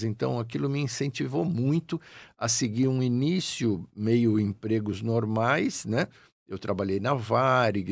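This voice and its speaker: Older São Paulo guest, warm reflective talker, dry gravelly voice. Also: male voice, on the low side, no echo. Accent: São Paulo Portuguese. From Brazil (São Paulo). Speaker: guest, actor. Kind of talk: casual interview chat.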